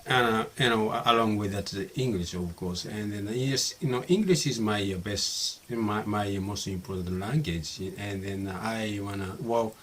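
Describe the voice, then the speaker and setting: A man's voice: fairly low pitch, normal speed, few pauses, fairly bright tone, a little hiss or hum. A man in his fifties with a Japanese accent, a native Japanese speaker talking casually to his viewers, hesitant, with many fillers and restarts. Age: 50s. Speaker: YouTuber. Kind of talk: casual talk to camera.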